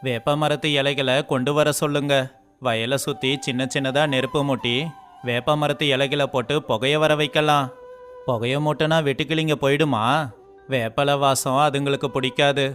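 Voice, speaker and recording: A man's voice: medium pitch, steady tone, normal speed, fairly bright tone. A man voicing several village men in turn in a storybook dialogue. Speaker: voice actor for story characters. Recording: faint music behind.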